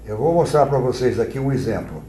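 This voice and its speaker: A man from Brazil, a guest on a TV talk show, demonstrating oratory in an expressive, theatrical way. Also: medium pitch, brisk, echoey room, a little hiss or hum. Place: TV studio.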